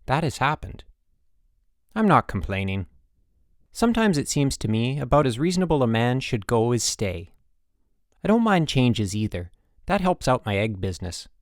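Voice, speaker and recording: A man's voice: mid-range voice, very animated, normal speed, pauses often, no echo, close to an everyday voice. A proud old country woman in a storybook, acted out by a male narrator, chatty and stubborn. She rambles in folksy, emphatic sentences, in a very dry recording. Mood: resigned, stubborn. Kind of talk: audiobook character dialogue.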